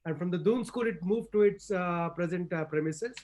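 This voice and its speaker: High-pitched man with an educated Indian accent. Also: darkish tone. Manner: formal, measured, ornate phrasing. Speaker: panel speaker, forest service officer. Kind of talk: formal conversational talk on history.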